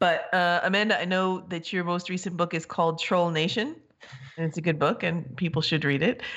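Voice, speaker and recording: A woman with an ordinary speaking voice talks at a fairly quick pace in a fairly low pitch. Her pitch variation is ordinary, and the background is quiet. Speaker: podcast host. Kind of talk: casual chat.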